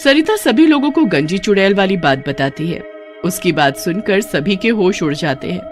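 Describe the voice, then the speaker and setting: A woman narrating a cartoon horror story in an even, scripted storybook manner. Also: medium pitch, moderate pace, faint music behind.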